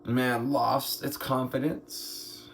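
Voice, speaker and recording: Male tarot reader, hoarse and gravelly, unhurried, meandering delivery, faint noise underneath. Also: medium pitch, little pitch movement, fairly bright tone, low-quality recording. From United States. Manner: slow, meandering, musing aloud with pauses and throat clearing. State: hoarse, scratchy throat. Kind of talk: slow spiritual card reading.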